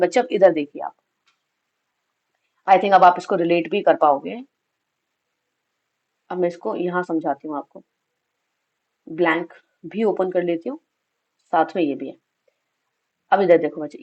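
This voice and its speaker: A woman's voice: mid-range voice, highs cut off. Hindi-English teacher woman, sore throat. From India. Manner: asks questions and answers them herself; addresses students as kids. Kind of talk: exam revision lecture.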